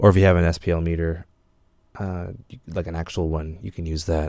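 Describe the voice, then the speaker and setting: A soft-spoken man talks at a very deep, low pitch in a monotone, flat intonation. The recording is very clean, with a silent background. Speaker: music production youtuber. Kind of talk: tutorial. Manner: casual, hesitant with fillers.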